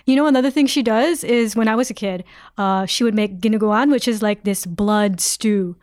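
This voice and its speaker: A woman's voice: mid-range voice, normal speed, dry recording, studio quality. A woman from Canada, a reporter, chatting playfully on a podcast and reading narration. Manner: animated, playful storyteller. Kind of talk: casual chat and scripted narration.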